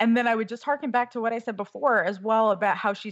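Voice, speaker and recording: Over a quiet background, a woman with an American accent talks very fast at a fairly high pitch. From US Northeast, Queens, New York. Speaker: political organizer. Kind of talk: casual chat.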